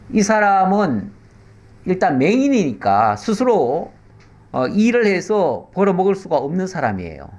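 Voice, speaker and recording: A middle-aged male pastor teaching the Bible in a conversational way, explaining with rhetorical questions and slow pauses. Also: fairly high pitch, darkish tone.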